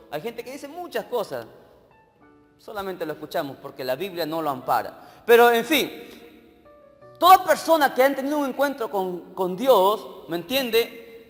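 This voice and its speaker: A man's voice: high voice, fairly bright tone. A man preaching a sermon as an evangelist, who keeps putting questions to his congregation and checking that they follow. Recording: long hall reverb with faint music.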